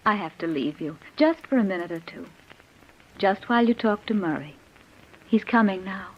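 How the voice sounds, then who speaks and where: An actress playing a mysterious, seductive woman in black, coaxing softly and unhurriedly in 1940s radio noir style. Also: medium pitch, expressive, normal speed, close to an everyday voice. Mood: gently coaxing. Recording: muffled, faintly noisy old radio recording.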